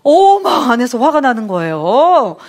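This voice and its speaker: A middle-aged woman gives a motivational talk as a coach, speaking in a high voice. Her pitch swoops widely as she tells her stories and acts out what people said. She laughs often as she goes. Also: a little slow. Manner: lively storytelling, acts out quotes, laughs often.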